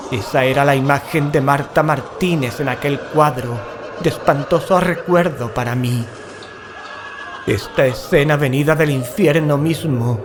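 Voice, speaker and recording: An actor playing a haunted investigator, narrating an audio horror drama in grave, literary, deliberate phrasing. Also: male voice, fairly high pitch, background noise, close to an everyday voice. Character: haunted male investigator recounting his horror.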